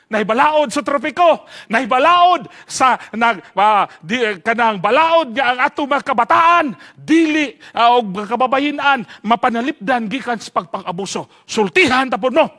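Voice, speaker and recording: A man from the Southern Philippines preaching a sermon, telling an animated story with frequent laughs. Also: very high-pitched, normal speed, hardly any pauses.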